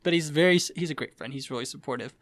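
A man's voice: fairly high pitch, rapid-fire, fairly bright tone, dry recording. Man, first language dutch, easygoing rambling podcast talk, dry close sound. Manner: easygoing, rambling, many fillers. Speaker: podcast co-host. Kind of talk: casual podcast chat.

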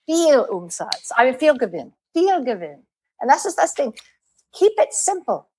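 Her high voice is very animated, a little slow, slightly rough yet a little mellow, captured in a dry recording. She is a sales and positioning coach in her late forties, a native English speaker with an American accent, chatting in German as an interview guest with learner's grammar and English phrases mixed in.

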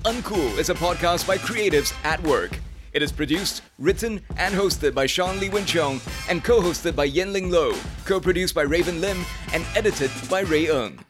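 A man's voice: on the high side, animated, moderate pace. A man reading the show's scripted promo credits in an upbeat, sing-song way. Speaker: show announcer. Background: music.

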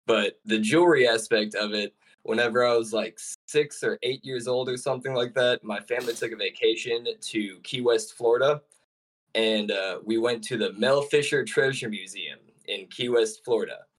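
A young man, a guest who makes jewelry, chatting casually and telling a rambling, relaxed story full of fillers. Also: mid-range voice, normal speed, rough recording. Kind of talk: casual chat.

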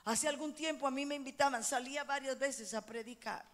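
A middle-aged woman pastor preaching a sermon, moving between loud fervent exhortation and quiet personal storytelling. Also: high voice, a little fast.

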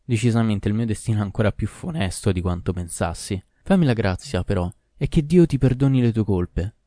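A man's voice: on the low side, expressive, a little fast, mellow, no echo, clean studio sound, lightly acted. A man voicing a poor, desperate but cunning fisherman in a storybook reading, speaking in an earnest, pleading way.

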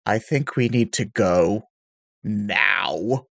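A man voicing a hushed, wary female mage. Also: lowish voice, extremely slow, vocal fry, no echo, clean studio sound, voice pushed down, heavily acted. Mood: uneasy.

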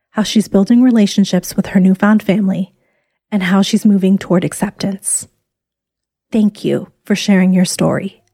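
A woman hosts a podcast in a measured, composed way, moving between scripted narration and interview questions. Her voice is mellow and dark, with a slight huskiness. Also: mid-range voice, creaky, dry recording, clean studio sound. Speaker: podcast host.

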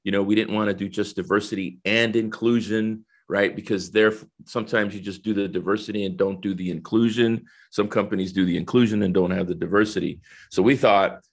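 A middle-aged man from El Salvador, a corporate diversity executive, is the guest in a conversational interview. He explains things earnestly and step by step in a fairly low, steady voice, speaking briskly with few pauses.

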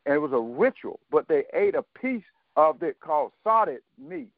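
A man in his seventies, a guest on a talk radio show, telling his story haltingly with many fillers and restarts and quoting others in dialogue. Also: a little high, big pitch swings, gravelly, dry recording. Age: 70s. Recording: dry, tinny phone line.

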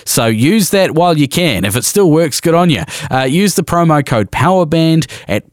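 A man's voice: fairly high pitch, lively intonation, moderate pace, no echo, studio quality. A man with a New Zealand accent hosting a podcast, chatting casually and doing upbeat sponsor reads. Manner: chatty, upbeat, lots of uh fillers. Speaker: podcast host.

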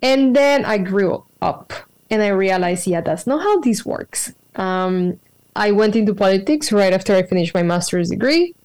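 A Colombian woman with a medium-pitched, animated, slightly mellow voice speaks at a normal pace. She is a spiritual practitioner appearing as an interview guest over a video call, telling her story thoughtfully and earnestly with fillers. She sits in a room at home with a cat.

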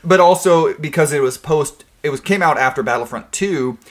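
A man's voice: on the high side, normal speed. A man co-hosting a casual gaming podcast, rambling and restarting his sentences. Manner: rambling, frequent restarts and fillers. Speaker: podcast co-host.

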